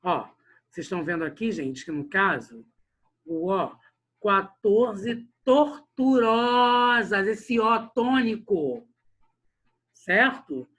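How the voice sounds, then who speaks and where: A man's voice: sits high, lively intonation, takes it slowly, pauses often, sharp tone, breathy edge. A man teaching a literature lesson online, addressing the class directly and often checking in with short tag questions. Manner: tags sentences with "né?" and "olha só", addresses the class directly.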